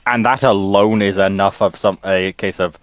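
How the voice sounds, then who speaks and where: A man's voice: low voice, fairly even intonation, moderate pace, no room sound. A man chatting casually as a guest panelist, giving his opinions. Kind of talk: casual discussion of science fiction ships.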